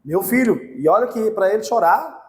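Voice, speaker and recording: A Brazilian pastor in his thirties preaches with passion, calling out directly to the men and women in the pews. His voice sits high for a man. It rings with the echo of a church hall. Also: animated, normal speed, slight background noise. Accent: Brazilian Portuguese. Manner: impassioned preaching, direct appeals to the congregation. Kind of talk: sermon. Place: church sanctuary.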